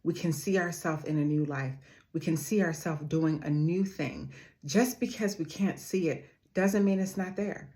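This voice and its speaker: A woman with a notably deep, low-pitched voice delivers a motivational talk straight to her viewers. She speaks earnestly and addresses them like family. She slows down to repeat her key phrases for emphasis. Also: mellow. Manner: calls her audience "family".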